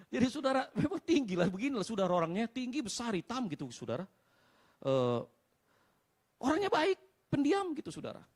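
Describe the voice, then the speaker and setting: Man, pastor, sermon, gravelly, very lively pitch, calls the congregation "saudara". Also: a little fast, long pauses. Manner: addresses the congregation as "saudara" constantly, swings from quiet to shouting. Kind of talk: sermon with personal stories.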